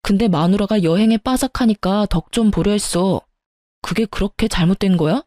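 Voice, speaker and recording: Woman doing a sulky husband, whiny and blaming, warm dark voice, dry close mic. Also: medium pitch, moderate pace, no room sound, natural voice. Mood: reproachful. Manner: reproachful, whiny. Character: sulky, defensive young husband.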